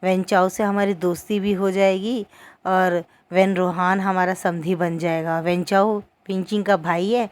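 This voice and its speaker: A woman's voice: fairly low pitch, fairly even intonation, measured pace, darkish tone, close to an everyday voice. A woman voicing a stern, scheming middle-aged mother who gives orders. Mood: bossy. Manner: bossy, giving orders.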